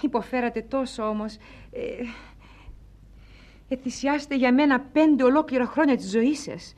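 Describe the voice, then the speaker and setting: An actress playing a poised, curious young wife who asks short polite questions. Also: female voice, sits high, a little mellow, lightly acted.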